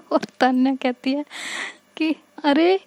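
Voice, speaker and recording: A woman's voice: sits high, slow pace, dry recording, lo-fi sound. A woman with an Indian accent narrating a romantic story in a casual, chatty way and voicing the dialogue herself. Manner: chatty, colloquial retelling with lively quoted dialogue.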